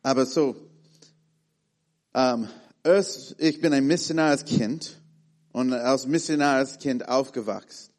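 A man in his thirties with an American accent, preaching in a halting way with many fillers and restarts as he searches for words. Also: medium pitch, darkish tone. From born in Malaysia, raised in the USA and the Philippines. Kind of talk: sermon with personal story.

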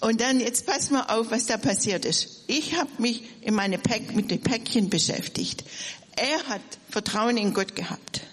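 A woman's voice: a little high, unhurried, husky. A woman telling a personal story in a sermon, speaking straight to her listeners. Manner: storytelling, addresses listeners directly. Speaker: preacher. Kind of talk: sermon testimony. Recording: long hall reverb.

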